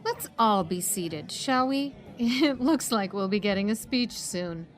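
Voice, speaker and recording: A woman's voice: medium pitch, expressive, measured pace, faint music behind, lightly acted. A woman playing a composed, polite police psychologist in an audio drama. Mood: gracious. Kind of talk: full-cast audio drama acting.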